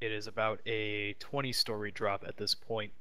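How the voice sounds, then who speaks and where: Bright-voiced man running a tabletop game. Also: on the low side, flat delivery, moderate pace, smooth. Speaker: game master. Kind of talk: improvised narration of a tabletop game.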